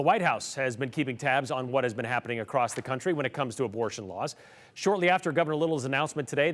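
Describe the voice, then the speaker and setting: A man presenting the news as a TV anchor in a conversational way. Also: medium pitch. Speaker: news anchor and show host.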